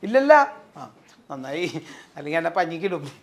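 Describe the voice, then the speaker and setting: A male spoken English teacher with a Malayali accent and a high voice. He talks in an animated way, acts out everyday scenes and keeps asking the class "yes or no?". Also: normal speed. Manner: animated, quizzes students with repeated "yes or no?". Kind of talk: classroom lesson with acted examples.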